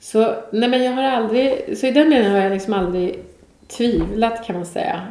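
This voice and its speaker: A woman with a fairly high pitch and lively intonation talks at a moderate pace, with noticeable background noise and audible room echo. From Sweden, Strängnäs. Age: 50s. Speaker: priest, former entrepreneur. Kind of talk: casual interview. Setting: at home.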